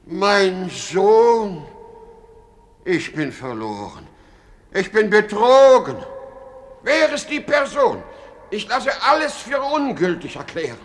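An elderly, befuddled monarch in a classic radio play. He speaks at a slow, stately pace with wide, theatrical swings of intonation. His manner is pompous and sentimental. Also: high-pitched, very animated, slight background noise, heavily acted. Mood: flustered. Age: older.

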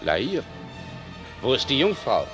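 An actor playing a grave, loyal noble commander in a classic radio drama, speaking in solemn declamation. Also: male voice, mid-range voice, huge pitch swings, a little slow, over music. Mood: worried, urgent. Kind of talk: classic German stage-style radio drama acting.

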